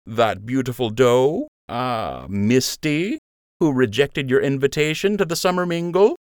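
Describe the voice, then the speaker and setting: A man's voice: mid-range voice, animated, unhurried, no echo, studio quality, pitched above the performer's own voice, lightly acted. A man voicing a playful, smirking young male rabbit who teases his friend in an audiobook. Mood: teasing. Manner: wry, smirking, playful teasing. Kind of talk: audiobook character voice.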